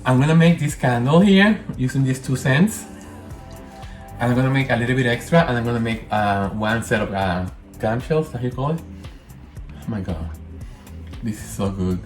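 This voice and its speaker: A man with a Spanish accent walks through his craft in a loose, chatty way, stopping and restarting his sentences as he thinks. His voice sits at an everyday middle pitch. The room around him rings with echo, and faint music plays underneath. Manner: rambling, self-correcting, chatty. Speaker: candle maker. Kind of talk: casual hands-on tutorial.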